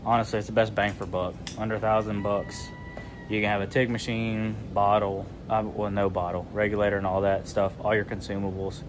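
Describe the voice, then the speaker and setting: A man, talking through his garage fabrication work in a relaxed, rambling way, full of fillers. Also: fairly low pitch, a little fast, music in the background. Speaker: fabricator and channel host. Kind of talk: casual shop vlog. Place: garage workshop.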